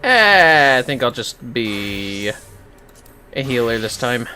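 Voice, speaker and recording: A male game streamer talks casually to his viewers in a medium-pitched voice. He rambles, mutters to himself and swears freely. Music plays clearly behind him. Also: big pitch swings, takes it slowly, pushed and bright. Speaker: livestreamer. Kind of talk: casual gaming livestream chat with viewers.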